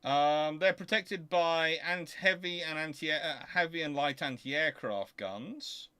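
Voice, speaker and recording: A man hosting an informal question-and-answer show, explaining things in a halting, self-correcting way. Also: on the high side, bright, forceful tone, clean tone, no room sound. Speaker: host of a naval history Q&A show.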